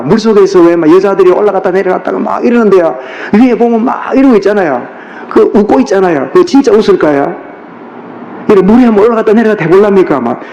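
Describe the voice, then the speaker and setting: Animated Gyeongsang-accented pastor preaching. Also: male voice, high-pitched, gravelly. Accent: Gyeongsang Korean. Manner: lively, colloquial preaching full of rhetorical questions to the congregation. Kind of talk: sermon. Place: church sanctuary. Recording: roomy, dull lo-fi church recording.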